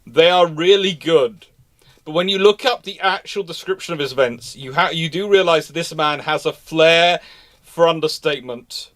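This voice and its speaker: Higher-voiced man talking history casually. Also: normal speed, fairly bright tone. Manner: rambling, self-correcting. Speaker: livestream host and naval historian. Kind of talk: casual live history discussion.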